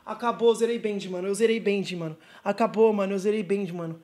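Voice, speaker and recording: A man's voice: high voice, steady tone, a little fast, a little mellow. A young man streaming a horror game, panicking, repeating himself and shrieking when scared, shaky and sweating. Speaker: gamer streamer. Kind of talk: horror game let's play commentary.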